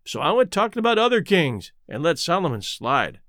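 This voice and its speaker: A folksy boy from the played by a man tells his story in plain colloquial words. The voice is fairly high, animated in pitch and recorded very dry, in audiobook style. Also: brisk, no echo. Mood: matter-of-fact. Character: Huck, a folksy, matter-of-fact adolescent Southern boy narrator. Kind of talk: first-person audiobook narration.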